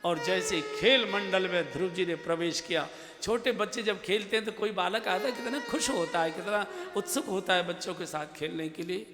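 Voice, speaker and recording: A man's voice: high-pitched, fairly even intonation, brisk, a bit bright. A man telling a devotional story in a sermon, with emotional, dramatic delivery. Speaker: preacher. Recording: echoey hall with music behind.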